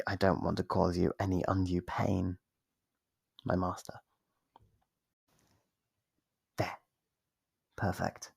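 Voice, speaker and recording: An actor playing a devoted, nervous, lovestruck cultist in an ASMR audio roleplay, speaking in a soft, breathy voice with earnest, hesitant, theatrical delivery. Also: sits low, no echo, clean studio sound, heavily acted. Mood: gentle, intent.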